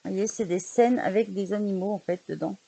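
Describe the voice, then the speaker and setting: Woman chatting thru her book haul at home, lots of ums, mid pitch. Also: a little fast, gravelly, dark tone. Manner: chatty, hesitant with many fillers and restarts. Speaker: vlogger showing a book haul. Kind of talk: casual chat.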